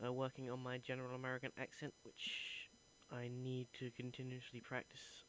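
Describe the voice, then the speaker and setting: A young man talks through his week in an earnest, thinking-aloud way. His pitch is mid-range and barely moves. A faint hum sits under the recording. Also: completely flat delivery, moderate pace, a bit bright, rough recording. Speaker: acting student. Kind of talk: reflective voice diary.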